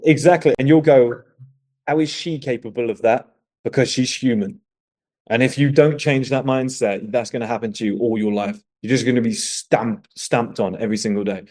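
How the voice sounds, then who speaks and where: A man's voice: mid-range voice, fairly even intonation, normal speed, a little mellow. A man hosting a podcast, giving blunt, emphatic advice and swearing freely.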